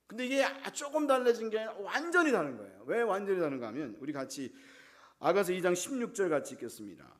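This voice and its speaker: Male pastor, middle-aged, lively Bible-study preacher who voices both sides of an argument; pitch swings wide. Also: fast. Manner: animated, acts out quarrels in direct speech.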